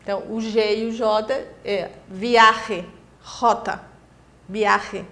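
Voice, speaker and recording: With a fairly bright, steady voice on the high side, a Portuguese-speaking Brazilian woman slowly explains Spanish pronunciation in a recorded distance-learning lesson. Her Brazilian Portuguese accent shows, and she uses lots of fillers and restarts.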